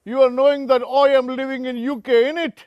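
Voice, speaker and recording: A man's voice: very high-pitched, flat delivery, fast talker, darkish tone, clear, resonant tone, dry recording, dull audio, voice pushed up. A man voicing a brash, cheeky British Punjabi man with a mock British Punjabi accent, bantering in slang. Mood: cocky. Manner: cocky slangy banter with "innit" and "mate". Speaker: comedy interview guest. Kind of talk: sketch comedy.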